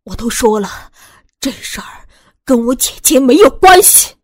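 女声扮演的倔强愤怒的年轻男子. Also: female voice, high-pitched, lively intonation, unhurried, no echo. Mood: defiant. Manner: shouting in defiance. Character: defiant young man, angry and bleeding.

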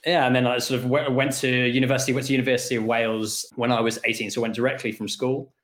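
Relaxed English man, echoey room. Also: mid-range voice, fast talker. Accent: English, mixed with some Australian. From England. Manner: relaxed, rambling, many fillers and restarts. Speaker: podcast guest. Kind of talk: casual interview storytelling.

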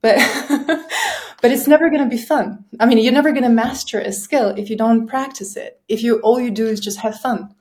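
A woman's voice: on the high side, expressive, moderate pace, darkish tone. A woman from Kazakhstan, an English teacher speaking earnestly and emphatically as a podcast guest. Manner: earnest and emphatic about her views on learning. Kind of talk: podcast conversation.

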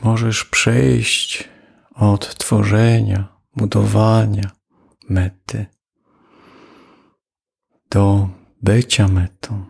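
A man guiding a loving-kindness meditation, speaking calmly with long pauses. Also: fairly low pitch, creaky, husky. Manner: slow, calm, with long pauses. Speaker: meditation teacher. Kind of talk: guided metta meditation.

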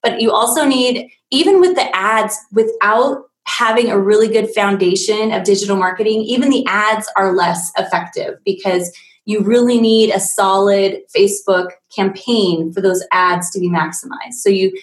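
A woman's voice: mid-range voice, animated, moderate pace. Enthusiastic chatty woman, echoey room. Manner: enthusiastic, chatty, nerdy about her subject. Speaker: digital marketing agency owner. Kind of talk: casual live-stream chat.

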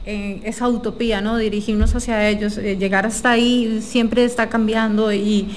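A woman, talking thoughtfully and softly as a guest in a casual interview. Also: mid-range voice, flat delivery, normal speed, slight background noise. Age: 30s.

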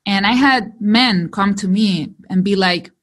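A woman from Chile whose first language is Spanish, a digital marketer telling her story in a lively interview and laughing often. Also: mid-range voice, measured pace. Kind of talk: conversational interview.

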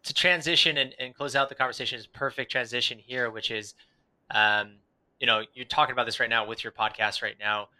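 A man hosting an interview, affirming his guest and rambling with fillers, often trailing off quietly. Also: medium pitch, fairly even intonation, fairly quick. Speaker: podcast host. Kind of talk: conversational interview.

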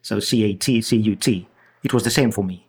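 A man's voice: fairly low pitch, fairly quick, slightly rough. A man from Greece with a Greek accent, a guest researcher in an interview, explaining with frequent restarts and fillers. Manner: hesitant, many restarts and fillers.

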